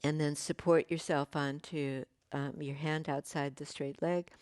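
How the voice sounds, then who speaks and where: A woman teaching a yoga class, giving gentle, unhurried cues with pauses and fillers, her voice slightly croaky. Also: sits low, steady tone, no room sound, clean studio sound. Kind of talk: guided yoga class instruction.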